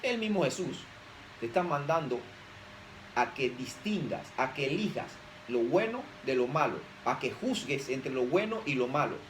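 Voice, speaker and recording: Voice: mid-range voice, very animated, normal speed, a little hiss or hum, poor audio. A preacher giving an emphatic sermon, often posing rhetorical questions to the audience.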